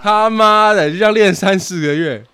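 A man who coaches boxing, chatting casually on a podcast, telling lively anecdotes and swearing for comic effect. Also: high-pitched, normal speed, clean tone, no echo.

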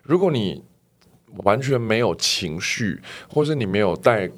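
A man's voice: on the low side, a little slow. A man co-hosting a podcast, talking things through reflectively with everyday examples. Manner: reflective, explains with examples, lively inflection. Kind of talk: casual chat.

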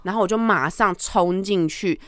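A woman's voice: mid-range voice, moderate pace, no room sound. A woman, co-hosting a casual chat and telling a story expressively, imitating the people in it. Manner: expressive, imitates others' speech when retelling. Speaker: podcast co-host.

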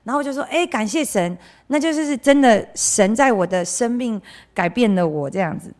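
Speaking with a fairly high, darkish voice and lively intonation, a church member gives her personal testimony at a moderate pace. She is a young woman from central Taiwan with a Taiwanese Mandarin accent, candid and chatty, frequently trailing off with fillers and mimicking the voices of those she quotes.

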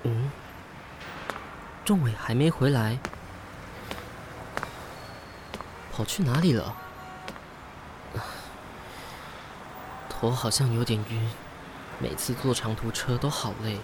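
A man's voice: mid-range voice, normal speed, background noise, close to an everyday voice. An actor playing a hurt, weary young gay man in a Mandarin radio drama, with a Taiwanese accent and an emotive delivery. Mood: wistful, weary. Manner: emotive, sighing, swearing. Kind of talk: radio drama acting with inner monologue. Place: studio.

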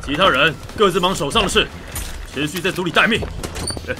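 An actor playing a firm, world-weary but caring police squad leader in a Taiwanese-accented audio drama. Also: male voice, high-pitched, fairly quick, sharp tone, a little hiss or hum. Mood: urgent, commanding. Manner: authoritative, instructing subordinates. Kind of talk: Mandarin audio drama acting.

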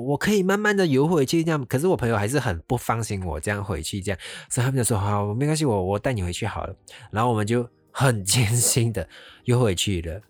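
Animated man telling a story. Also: on the low side, dry recording. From Malaysia. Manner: animated, mixes English words into Mandarin, drawn-out exclamations. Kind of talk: casual storytelling.

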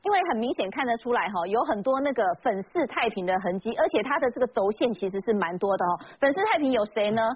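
A woman's voice: on the high side, animated, fast, few pauses, breathy edge. A woman hosting a political talk show, chatty and full of tag questions. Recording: slightly dull broadcast audio.

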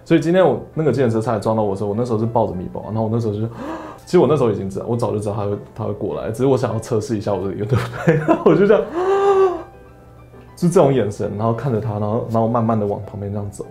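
Racing along with few pauses, a young man with a Taiwanese Mandarin accent tells animated stories on his casual solo podcast, soft music playing underneath. When quoting others, he switches to high, raised voices.

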